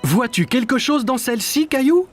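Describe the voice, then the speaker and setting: A man voicing a gentle, reassuring young father in a children's cartoon, patient and cheerful as he explains. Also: extremely high pitch, lively intonation, normal speed, soft background music. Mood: encouraging.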